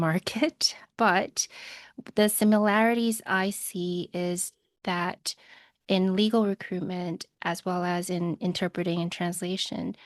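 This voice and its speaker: A woman from Taiwan whose first language is Mandarin, answering interview questions in a measured, explanatory way. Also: on the low side, no echo, studio quality. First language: Mandarin Chinese. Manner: measured and explanatory, light laughs. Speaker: guest, legal recruiter.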